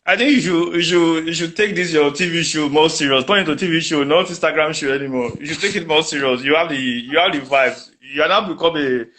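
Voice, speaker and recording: A man's voice: fairly high pitch, brisk, hardly any pauses, bright, forceful tone. A Nigerian man from the southwest of the country, a guest in a casual interview, who stops and restarts his phrases. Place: abroad in the diaspora.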